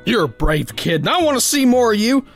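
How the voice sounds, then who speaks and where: Actor as a cocky tough boxer, lively delivery. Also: male voice, very high-pitched, brisk, vocal fry, faint music behind, exaggerated voice. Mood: cocky, flirtatious. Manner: folksy slangy tough-guy drawl. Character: tough, cocky, uneducated male sailor boxer telling his yarn. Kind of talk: pulp radio drama narration and dialogue.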